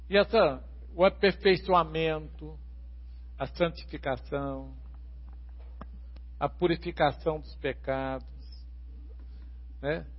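A man with a somewhat high voice speaks in a measured way about faith. He quotes scripture and explains it point by point. The sound is dull and lo-fi. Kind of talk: casual chat about faith. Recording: dull lo-fi recording.

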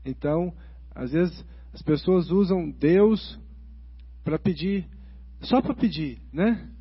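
Husky-voiced man chatting, dull lo-fi sound. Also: on the high side. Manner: chatty storyteller, quick asides and restarts. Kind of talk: casual chat about faith. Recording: dull lo-fi recording.

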